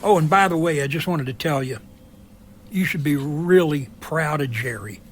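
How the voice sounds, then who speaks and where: Easygoing, nosy middle-aged pilot male actor, slightly high voice, wry chatter, faint noise behind. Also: moderate pace, close to an everyday voice. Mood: curious. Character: easygoing, curious older helicopter pilot. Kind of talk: amateur audio drama dialogue.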